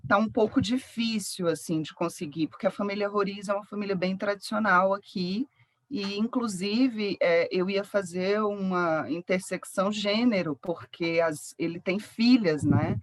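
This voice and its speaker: A woman from Brasília, a student describing her book project over a video call, telling it in a lively way. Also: mid-range voice, normal speed, no echo.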